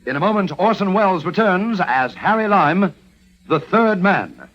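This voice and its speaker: A man's voice: high-pitched, animated, unhurried. Formal male radio announcer over faint music. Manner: formal, declaiming. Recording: dull old radio recording with faint music.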